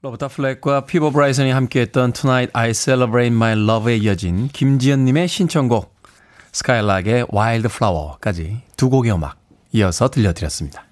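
A man hosting a morning radio show, talking with a bright, playful delivery. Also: medium pitch, normal speed, a little hiss or hum. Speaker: radio DJ host.

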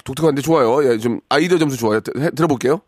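A man's voice: medium pitch, a little mellow, no room sound, studio quality. A man hosting a radio call-in show, teasing and bossing callers in casual banter. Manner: teasing, bossy, quick-talking.

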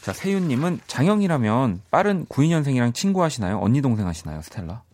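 A man hosting a casual radio show, joking with guests and briskly reading listener questions aloud. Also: mid-range voice, very animated, darkish tone. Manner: brisk, joking, reads questions in quick succession. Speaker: radio host. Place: radio studio.

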